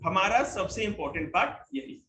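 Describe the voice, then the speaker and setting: A male teacher leads a spoken English class, walking slowly through each example sentence in both Hindi and English. His voice sits high and sounds animated with a sharp edge. The recording is rough and reverberant.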